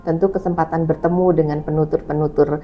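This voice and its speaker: Low-voiced Indonesian woman hosting an interview. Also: flat delivery, fast, highs cut off. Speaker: interviewer, host. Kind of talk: conversational interview.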